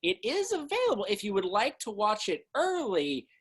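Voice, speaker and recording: Young adult man, casual interview host, husky tone with animated intonation. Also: high voice, moderate pace. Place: small room at home, on video call.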